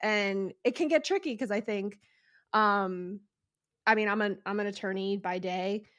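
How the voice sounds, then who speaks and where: A woman's voice: medium pitch, a little slow, fairly bright tone, no echo. A woman hosting a podcast, chatting casually and hesitantly with lots of likes and ums. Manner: hesitant, filler-heavy, with many likes and ums. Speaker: podcast host and attorney.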